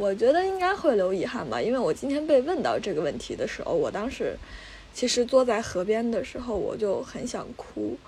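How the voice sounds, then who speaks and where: A woman keeps a moderate pace while noticeable background noise hums behind her. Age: 20s. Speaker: podcast host. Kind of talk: solo monologue, imagined dialogue with future self. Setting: indoors with a fan. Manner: halting, many fillers.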